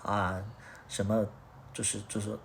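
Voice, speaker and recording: Blunt, rambling man, low voice. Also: flat delivery, a little slow, gravelly, slight background noise. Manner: blunt, rambling, swears often. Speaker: livestream host. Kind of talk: casual livestream storytelling.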